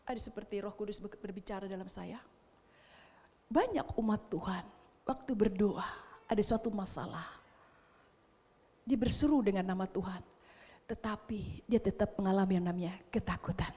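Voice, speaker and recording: A woman with an Indonesian accent preaching a sermon, who retells a story with dramatic cries and then drops to a soft, hushed voice. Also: mid-range voice, moderate pace, long pauses, slightly rough. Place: church sanctuary. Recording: long church hall reverb.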